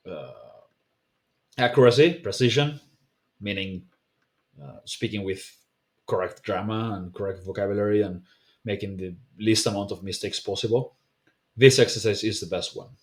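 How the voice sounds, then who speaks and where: Male language coach, non-native English speaker, lowish voice, loose conversational delivery. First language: not English. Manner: relaxed and conversational, frequent fillers and self-corrections. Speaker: language teacher. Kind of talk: casual explainer video, talking to camera.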